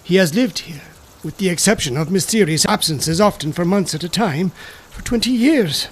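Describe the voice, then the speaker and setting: A man voicing a reluctant male companion who speaks in a hesitant, measured way. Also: high-pitched, animated, husky.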